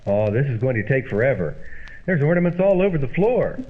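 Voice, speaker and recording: A man's voice: mid-range voice, sing-song, brisk, natural voice. A man playing a skeptical, exasperated, sarcastic roommate in an old-time radio comedy. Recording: muffled, noisy old-radio sound.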